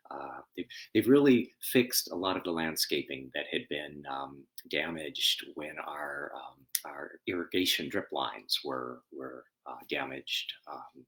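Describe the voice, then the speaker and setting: A man with a very deep voice speaks at a very slow pace. He has the reflective, halting delivery of a minister introducing and reading a poem. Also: fairly bright tone, poor audio. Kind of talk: informal spoken introduction and poetry reading.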